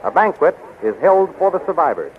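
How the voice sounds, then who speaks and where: A man's voice: a little high, sing-song, fairly quick. Male vintage serial narrator, declamatory delivery, phone-like sound with faint noise. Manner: dramatic, declamatory. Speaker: announcer and narrator. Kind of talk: 1930s radio serial announcing. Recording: tinny, noisy 1930s radio recording.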